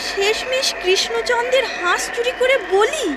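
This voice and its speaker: A woman voicing an imperious, motherly goddess in a Bengali cartoon, dramatic and quick to scold. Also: very high-pitched, very noisy. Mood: alarmed. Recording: loud background music under the voice.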